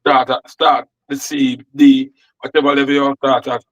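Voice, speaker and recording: A man's voice: mid-range voice, little pitch movement, normal speed, highs cut off. A Jamaican man, a football analyst, chatting casually and rambling with repeated words. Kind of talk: casual chat.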